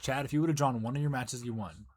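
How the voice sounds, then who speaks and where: A man's voice: medium pitch, darkish tone, slight background noise. A man commentating a card game in casual chat, joking with his co-host. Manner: chatty, joking, quick back-and-forth.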